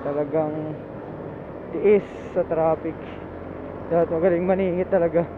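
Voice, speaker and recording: A man's voice: a little high, steady tone, a little slow. A Filipino man chatting casually to viewers as he records a motorcycle vlog, often repeating short phrases. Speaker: motorcycle vlogger. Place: outdoors on a motorcycle in traffic. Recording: dull lo-fi, loud traffic and engine noise.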